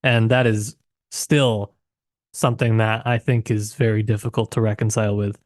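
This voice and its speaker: A man co-hosting a podcast, talking through literature casually in a reflective, halting way. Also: fairly low pitch, little pitch movement, dry recording, studio quality. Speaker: podcast co-host.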